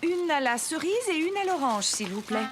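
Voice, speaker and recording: A woman voicing a patient, caring young mother in a French-language children's cartoon, gently explaining things. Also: sits high, sing-song, moderate pace, music in the background. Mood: comforting.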